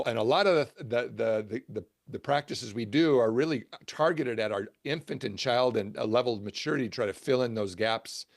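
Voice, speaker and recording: A man's voice: medium pitch, creaky, dry recording, clean studio sound. A middle-aged man, a guest author and church trainer, giving enthusiastic explanatory answers and often restarting his sentences. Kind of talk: interview answers.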